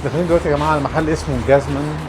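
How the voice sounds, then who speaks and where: A man's voice: a little high, fairly even intonation, very fast, over music. A man from Egypt with an Egyptian accent and native Arabic, chatting casually as a street vlogger. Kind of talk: casual street vlog chat. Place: outdoors on an urban shopping street.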